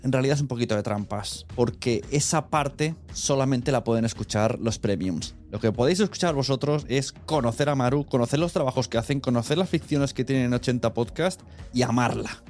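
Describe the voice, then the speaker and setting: A man's voice: medium pitch, a little fast, darkish tone, soft background music. A man with an accent from Spain, presenting a podcast in a chatty, conversational way. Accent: Spain Spanish. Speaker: podcast host.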